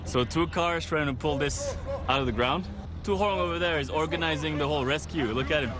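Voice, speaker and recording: A man from France, a photographer presenting on location with a lively manner. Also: on the high side, brisk. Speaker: documentary photographer. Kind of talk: travel documentary presenting. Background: background music.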